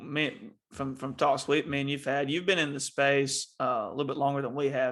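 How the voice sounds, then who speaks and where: A fairly high-pitched man's voice with a bright, sharp tone over a quiet background. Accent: Southern US. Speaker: crypto podcast host. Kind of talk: casual chat.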